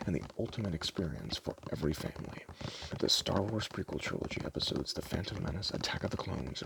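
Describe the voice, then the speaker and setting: A man with an extremely low, heavily gravelly voice speaks softly in an ASMR roleplay style. His delivery is casual and hesitant, wandering into asides, with pitch that moves around quite a bit. Clear noise sits behind the voice. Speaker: ASMR creator playing a DVD store clerk. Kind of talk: soft-spoken ASMR roleplay.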